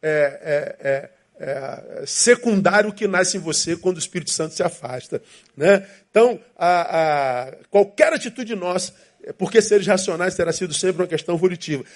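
Man, pastor, high-pitched voice, sermon, emphatic repetition. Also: expressive, moderate pace. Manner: preaching with emphatic repetition, acting out inner voices.

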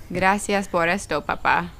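A woman's voice: lowish voice, measured pace, fairly bright tone. A woman playing a friendly grown daughter of a farming family in an audio drama. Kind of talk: naturalistic audio drama acting.

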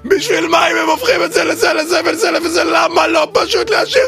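A man playing a desperate, hapless middle-aged football coach in a broad radio comedy sketch, blustering and indignant with a strained, gravelly voice. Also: very high-pitched, fairly even intonation, pushed and bright, faint music behind, heavily acted. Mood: agitated, defensive. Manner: blustering, indignant, rambling self-justification.

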